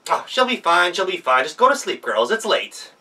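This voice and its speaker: A man's voice: high-pitched, very animated, normal speed, bright, forceful tone, husky, recorded from a distance, pitched above the performer's own voice, exaggerated voice. A man voicing a sly storybook wolf who poses as a sweet old grandma, coaxing and hesitant with excuses. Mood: dismissive. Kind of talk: animated storybook character voice.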